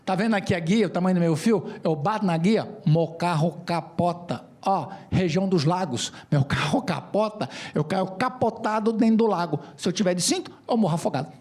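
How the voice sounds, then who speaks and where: A man's voice: sits high, a little fast, hardly any pauses, darkish tone. A man voicing a stubborn, cocky Rio taxi driver, slangy and insistent. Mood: explaining. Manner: slangy, insistent, matter-of-fact.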